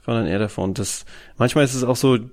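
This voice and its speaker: A man in a casual chat, explaining things in a relaxed, rambling way. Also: medium pitch, rapid-fire. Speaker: co-host.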